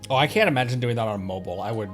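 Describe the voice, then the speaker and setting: A man's voice: mid-range voice, expressive, very fast, fairly bright tone, soft background music. A man hosting a game livestream, chatting casually with viewers and rambling as he thinks aloud. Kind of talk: casual gaming chat with viewers.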